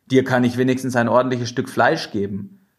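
An easygoing young man firing up the grill, casual and offhand, as a male narrator plays him, close to the reader's own voice. It is a relaxed storybook part. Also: medium pitch, fairly quick, lightly acted. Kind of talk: audiobook reading.

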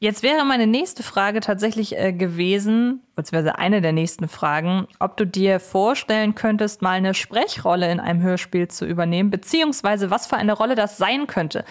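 A woman's voice: mid-range voice, normal speed, hardly any pauses. A woman interviewing a guest in a casual, conversational style as a podcast host.

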